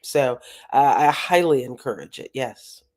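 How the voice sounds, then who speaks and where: A woman talent agent giving emphatic advice as an interview guest over a video call, with quick restarts as she explains. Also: extremely low pitch, animated, a little mellow.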